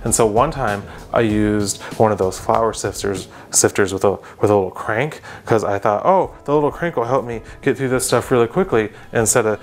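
A young cooking show host demonstrates home cooking in his kitchen, addressing the viewer directly and slipping in deadpan jokes. His voice is on the low side.

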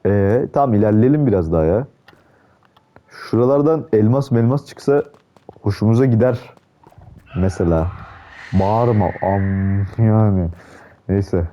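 A man's voice: on the low side, a little slow, long pauses, warm tone, highs cut off, slight background noise. A young man giving casual gameplay commentary, swearing a lot and panicking in repeated pleas. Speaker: gameplay streamer.

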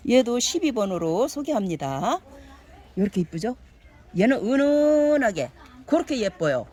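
A woman giving a cheerful live sales pitch for succulent plants, gushing and exclaiming over each one and chatting aloud to herself. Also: dark tone, slightly rough. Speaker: succulent seller.

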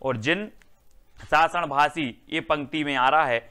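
A man teaching an exam-prep class, asking questions and answering them himself, and reciting verse slowly. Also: a little high, sharp tone, clear, resonant tone.

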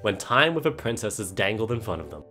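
A woman's voice: very deep voice, sing-song, quick pace, a bit bright, exaggerated voice. A woman voicing a bossy, exasperated female unicorn pony with dry, cutting sarcasm in a cartoon parody. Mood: scornful. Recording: music behind.

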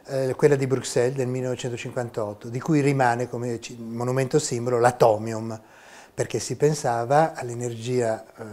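Uomo sulla sessantina, tono pacato e didattico. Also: male voice, mid-range voice, darkish tone. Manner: measured, explanatory, gesturing with his hands. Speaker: history of science professor. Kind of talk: interview answers. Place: small university office. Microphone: lapel mic.

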